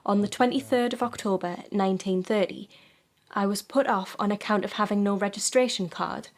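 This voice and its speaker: An actress playing a destitute petitioner, reading out a formal historical letter. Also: female voice, mid-range voice, fairly even intonation, fairly quick, lightly acted. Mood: plaintive, formal.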